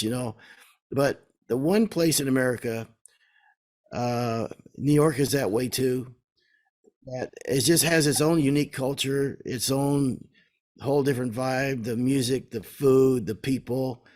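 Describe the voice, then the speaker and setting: Hoarse rambling male podcast host. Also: medium pitch, a little mellow. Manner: rambling, self-interrupting. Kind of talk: casual podcast banter.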